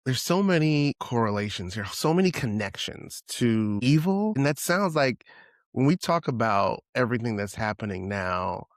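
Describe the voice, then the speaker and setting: A man's voice: medium pitch, big pitch swings, moderate pace, no room sound, clean studio sound. A man co-hosting a podcast, talking casually and rambling through his thoughts, often checking in with "right?". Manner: rambling, with many restarts and "right?". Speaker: podcast co-host. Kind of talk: casual conversational podcast chat.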